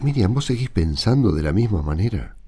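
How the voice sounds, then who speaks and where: A man with an Argentine accent and a rather low, sing-song voice talks briskly over a noisy background. In a radio drama, he plays an indignant catechism teacher who argues emphatically in defense of a bullied pupil.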